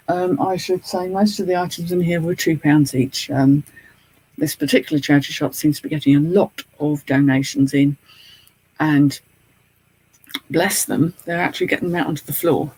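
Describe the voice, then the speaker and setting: A British man with a slight lisp from a mouth appliance and a husky, gravelly voice, rambling chattily to live viewers. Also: on the high side, rough recording. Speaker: online reseller and streamer. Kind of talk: casual live chat to viewers.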